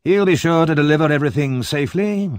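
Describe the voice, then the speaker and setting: A man voicing a fierce, argumentative old gentleman who scoffs gruffly. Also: fairly high pitch, quick pace, no echo, pitched above the performer's own voice, lightly acted. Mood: scoffing.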